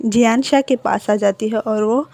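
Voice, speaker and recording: A woman retells a fan story in a loose, chatty way, with fillers and quick self-corrections. Her voice sits a little high but sounds mellow and soft. A sore throat gives it a hoarse edge. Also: steady tone, no room sound. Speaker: storyteller and channel host.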